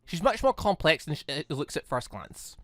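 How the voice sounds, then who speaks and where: A gaming video host with a chatty, animated manner, giving casual commentary and reading game text aloud. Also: mid-range voice, normal speed, no room sound, clean studio sound.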